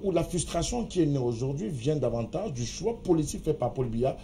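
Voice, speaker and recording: A man's voice: a little high, lively intonation, fairly quick, creaky, mellow, a little hiss or hum. A man moderating a studio debate, firmly calling the panelists to order. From Cameroon. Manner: firm, calls for order.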